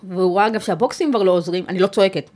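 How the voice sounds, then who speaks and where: Her voice is medium in pitch with a darkish tone as she tells of a personal ordeal while guesting on an interview podcast. She proceeds in a measured, halting manner, stopping and restarting repeatedly.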